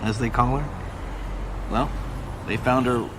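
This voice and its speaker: An actor playing a self-assured, opinionated Hollywood murder-tour guide who talks casually with a wry edge. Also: male voice, mid-range voice, steady tone, measured pace, natural voice. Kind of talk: casual conversational explaining. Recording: noisy outdoor city street ambience. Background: street and traffic noise.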